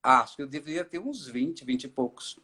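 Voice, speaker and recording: A middle-aged man from Ceará, an actor and director, telling his story in a relaxed live-stream interview, with many fillers and restarts. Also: mid-range voice, brisk, husky. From Ceará, Brazil. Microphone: video call.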